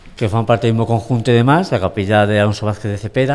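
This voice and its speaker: A man talks very fast at a medium pitch. Noticeable background noise is present. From Mallorca, Spain. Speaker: museum director. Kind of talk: live podcast interview. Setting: museum hall with live audience.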